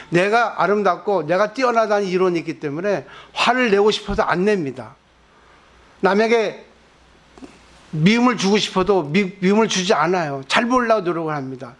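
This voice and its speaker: Giving a weekend temple service sermon, a Buddhist monk teaches conversationally and often asks the listeners rhetorical questions. His male voice sits high and sounds a bit bright.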